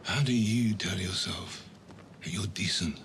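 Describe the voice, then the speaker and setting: A man's voice: deep voice, measured pace, fairly bright tone, slight background noise. An actor playing a bitter captive nobleman who questions and accuses his captor.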